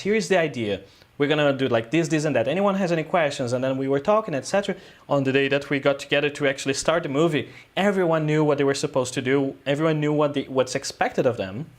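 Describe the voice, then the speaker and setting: A man, a guest filmmaker telling a story in a casual interview, rambling loosely with lots of "uh" and "um". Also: medium pitch. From Brazil.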